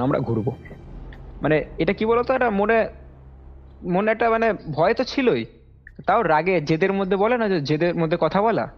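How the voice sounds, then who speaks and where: A young man tells his own experience casually on a call, rambling and repeating himself as he goes. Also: sits high. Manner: animated, repetitive, rambling retelling with acted-out quotes. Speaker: caller recounting a personal experience. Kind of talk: casual spoken storytelling. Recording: dull lo-fi call recording over music.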